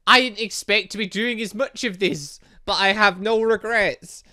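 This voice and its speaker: A man's voice: high-pitched, moderate pace, pushed and bright. A man hosting a casual let's play of a visual novel, chatting in a rambling way with light swearing between scenes. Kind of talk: casual gaming commentary and reading aloud.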